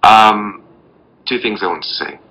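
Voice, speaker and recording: A man's voice: lowish voice, a little slow, vocal fry, pushed and bright, poor audio. A young man from Mexico, chatting as a podcast guest over a video call, rambling and hunting for words with lots of fillers. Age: young adult.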